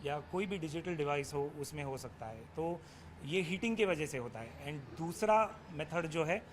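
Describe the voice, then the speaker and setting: A man with a somewhat high voice explains technical matters as an interview guest. He pauses and hesitates often and switches into English phrases mid-sentence. There is ambient noise behind him. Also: expressive. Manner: halting, frequent hesitations, mixes in English phrases.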